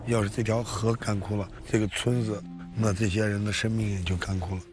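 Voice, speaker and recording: A man's voice: fairly low pitch, flat delivery, fairly quick. A man, an off-road desert driver, speaking earnestly and philosophically in an interview. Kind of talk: documentary interview. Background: loud background music.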